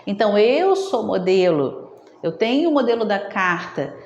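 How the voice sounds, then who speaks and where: A woman's voice: medium pitch, very animated, a little slow, a little mellow, lo-fi sound. Woman explaining in an echoey room. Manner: conversational, frequent tag questions. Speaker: speech therapist. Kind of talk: explanatory video lesson. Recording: roomy echo with long reverb.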